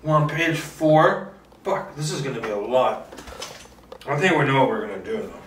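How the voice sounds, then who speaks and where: A man with a mid-range voice and lively intonation does an informal table read of a screenplay at a moderate pace, narrating the action and now and then stumbling or repeating words. The distant mic catches a roomy echo and slight background noise.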